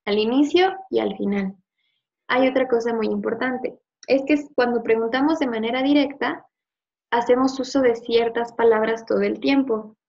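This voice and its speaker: A woman teacher giving a one-on-one review lesson, patiently quizzing and repeating words slowly. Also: fairly high pitch, steady tone, gravelly, a little mellow. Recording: slightly muffled lo-fi audio.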